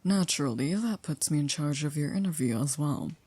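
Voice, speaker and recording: A woman acts out an exacting chief maid of a grand estate for ASMR roleplay. The voice is low, dark and close with a dry, roomless sound. Each phrase is formal and measured, edged with dry reproach. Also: animated, husky, no echo. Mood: cool, stern.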